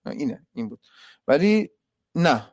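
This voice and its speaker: A man's voice: on the high side, big pitch swings, darkish tone, no echo. A man analysing football on a live stream, reading viewer questions and giving blunt, opinionated answers.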